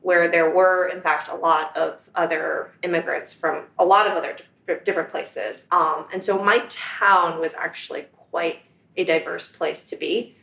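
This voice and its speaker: Woman guest from china, lowish voice, reflective chatty storytelling, echoey apartment. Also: fairly even intonation, normal speed, creaky, fairly bright tone. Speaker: interview guest. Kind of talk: casual conversation. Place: apartment in New York.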